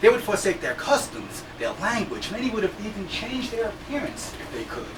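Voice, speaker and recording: The speaker has a New York accent and talks at a fairly quick pace. Noticeable background noise is present. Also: man. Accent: New York City English. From US Northeast, Queens, New York City. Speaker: playwright and performer. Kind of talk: oral history interview mixed with memoir monologue. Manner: casual with many fillers and repeats.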